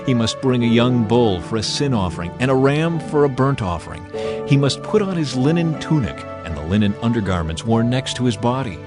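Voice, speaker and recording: A man reads scripture as a scripted audiobook narrator, in a solemn, measured and declarative manner. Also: medium pitch, expressive. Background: music.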